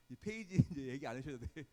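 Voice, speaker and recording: A male pastor teaching a Bible study, quizzing his listeners with frequent questions and quick asides. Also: medium pitch, long reverb tail. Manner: lively, quizzes the congregation with questions.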